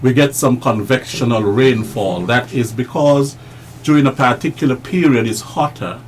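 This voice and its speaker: A man's voice: mid-range voice, moderate pace, slight background noise. A man interviewing guests, chatty and explanatory, repeating words while he searches for them.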